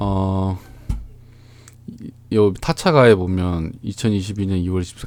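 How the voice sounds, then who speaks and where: A man with a normal speaking voice speaks at a fairly slow pace in a fairly low pitch. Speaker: used car reviewer / channel host. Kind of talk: casual talk to camera, sleep-friendly used car review. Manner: slow, calm, soft-spoken.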